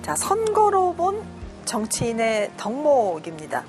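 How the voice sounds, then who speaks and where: Animated woman host with a highish voice. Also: a little slow. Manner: frequent interjections, encouraging. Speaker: main talk show host. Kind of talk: talk show hosting. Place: broadcast studio talk show. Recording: music behind the voice.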